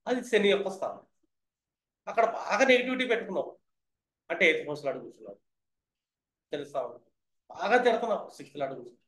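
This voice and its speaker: A man's voice: on the high side, very animated, rapid-fire, pauses often, a bit bright, echoey room. A man teaching astrology in a lecture style, who keeps asking his listeners whether they have understood.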